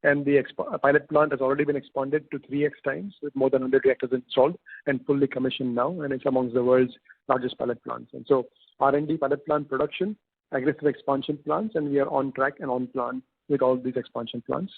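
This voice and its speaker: Husky man on an echoey phone line. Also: medium pitch, level tone, brisk. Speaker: company executive. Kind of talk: formal business update on an investor call. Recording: echoey, tinny phone-line conference call.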